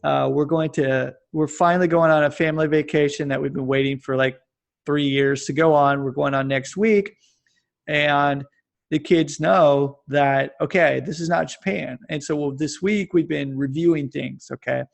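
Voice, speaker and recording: A man in his forties from the United States, a fitness coach telling stories in a rambling, animated way with many restarts. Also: fairly high pitch, normal speed, creaky. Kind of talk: casual interview chat. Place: lives in Japan.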